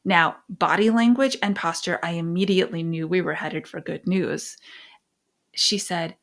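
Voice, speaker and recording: A middle-aged American woman sharing personal stories and parenting advice as a podcast host, phrasing things emphatically with deliberate pauses. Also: lowish voice, a bit bright. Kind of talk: conversational advice and personal storytelling.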